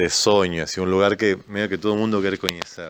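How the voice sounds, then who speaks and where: Here a man is speaking. His pace is moderate. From Uruguay. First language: Spanish (speaking Portuguese). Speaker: circus performer. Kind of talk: recorded testimonial. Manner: halting.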